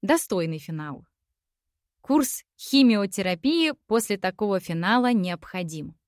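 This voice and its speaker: A woman's voice: medium pitch, lively intonation, measured pace, dry recording. Woman narrating a novel, dry close sound. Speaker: audiobook narrator. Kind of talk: first-person literary narration.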